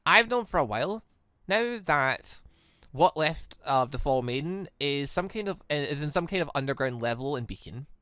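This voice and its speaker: A sly villainess from a visual novel read by a man, teasing and calmly menacing. The delivery is measured, in a bright, dry-sounding voice. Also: on the high side, no room sound. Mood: calm menace. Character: sly, menacing woman villain taunting by phone.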